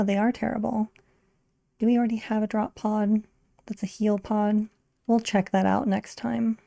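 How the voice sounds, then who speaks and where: A young woman streamer talks through her game in a wry, musing, half-to-herself way. Her voice is soft and mellow with a gravelly, fry-tinged edge. The sound is close and dry, with no room around it. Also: mid-range voice, no room sound. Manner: wry, musing aloud while playing. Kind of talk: casual gameplay commentary.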